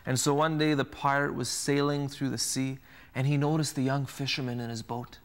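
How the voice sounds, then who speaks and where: A man's voice: medium pitch, little pitch movement, moderate pace. A middle-aged man, a Catholic priest, preaching a televised sermon in an earnest, storytelling way. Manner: earnest, storytelling with acted quotes.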